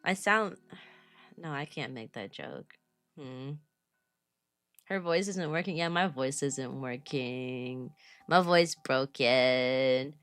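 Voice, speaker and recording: A woman livestreaming in a loose, chatty way, answering chat as she rambles from one thing to the next. Her voice is raspy and a little weak from allergies, yet it keeps a bright, forward edge. Soft music plays faintly behind her. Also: rumbling low, slow pace, long pauses, dry recording. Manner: chatty and rambling, casual slang. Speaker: VTuber streamer. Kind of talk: casual livestream chat, replying to chat.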